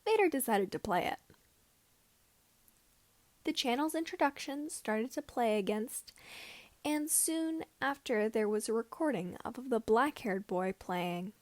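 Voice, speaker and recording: A woman narrating scripted fan fiction as an amateur reader, with somewhat halting phrasing. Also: on the high side, animated, no room sound.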